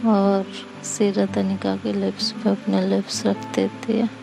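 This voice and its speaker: A woman narrating a romantic story in a soft, unhurried way. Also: medium pitch, level tone, gravelly, over music.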